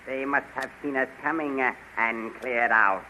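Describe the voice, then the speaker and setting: A slow-talking ruthless general. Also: male voice, mid-range voice, sharp tone. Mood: commanding. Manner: barking orders, hesitant fillers. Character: ruthless male alien general, gruff. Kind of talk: 1930s radio drama acting. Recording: noisy 1930s radio recording.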